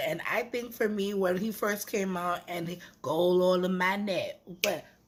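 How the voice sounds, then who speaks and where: With a Trinidadian accent, a woman speaks animatedly at a moderate pace and a fairly low pitch, her pitch varying in an ordinary way on a very clean recording with a silent background. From Trinidad and Tobago. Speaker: YouTuber. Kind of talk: commentary vlog.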